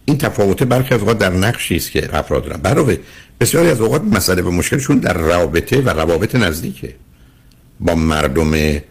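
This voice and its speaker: Deep husky older man counseling. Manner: earnest, lecturing, addresses caller as dear. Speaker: radio counseling host. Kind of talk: call-in counseling advice.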